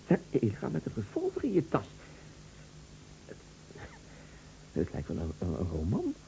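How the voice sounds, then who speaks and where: A man's voice: mid-range voice, wildly swooping pitch, a little fast, creaky, mellow. An actor playing a flustered, defensive lover in a radio drama, stammering and repeating his words hesitantly. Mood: uneasy, placating. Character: flustered, defensive lover caught in a love triangle. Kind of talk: Dutch radio drama acting. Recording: dull lo-fi radio recording, faint hum.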